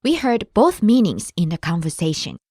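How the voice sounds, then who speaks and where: A woman co-hosting a language lesson, modeling phrases clearly and adding short explanations. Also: on the low side, wildly swooping pitch, moderate pace, mellow, dry recording, clean studio sound. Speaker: native-speaker co-host of a language lesson. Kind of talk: scripted lesson dialogue.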